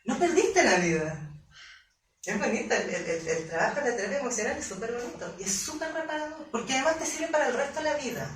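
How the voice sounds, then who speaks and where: A woman coach and emotional therapist giving a conference lecture, animated, often stumbling and repeating words as she explains. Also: a little high, fast talker, a little hiss or hum. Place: conference hall. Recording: roomy echo, mic from far off.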